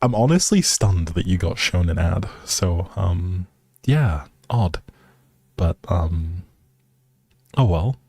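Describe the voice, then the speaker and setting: A man's voice: low-pitched, animated, slow, pauses often, warm tone, breathy edge, dry recording. A man casually chatting with viewers as he hosts a game stream, easygoing and rambling in a hesitant way. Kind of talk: casual chat with viewers while gaming.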